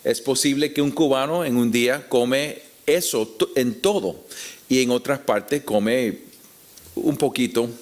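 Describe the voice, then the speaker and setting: A man with a Puerto Rican Spanish accent teaching the Bible to an audience in a deliberate, explanatory way with rhetorical questions. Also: medium pitch. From Puerto Rico. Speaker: preacher teaching at a conference.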